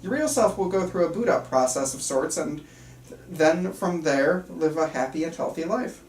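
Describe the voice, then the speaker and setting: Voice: medium pitch, expressive, normal speed, darkish tone, a little hiss or hum, lightly acted. A person reading the part of a chirpy, patronizing psychiatrist at a table read, with breezy, reassuring bedside talk. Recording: roomy, picked up from far off.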